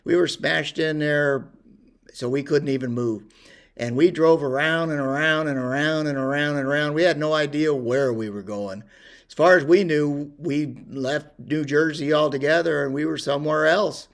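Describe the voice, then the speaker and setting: An older man telling a personal story in a rambling, unhurried way with many pauses and fillers. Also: fairly high pitch. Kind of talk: casual spoken reminiscence.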